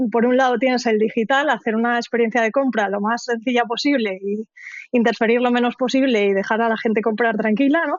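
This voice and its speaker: Using an unremarkable speaking voice, a woman with a fairly high pitch talks at a moderate pace with fairly even intonation. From Madrid, Spain. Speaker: startup CEO. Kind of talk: interview.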